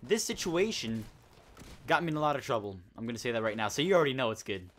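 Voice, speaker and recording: A man's voice: mid-range voice, big pitch swings, fast talker, a bit bright. A teenage boy hosting a casual gaming chat, telling a school story in a rambling, indignant way. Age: teens. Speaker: host.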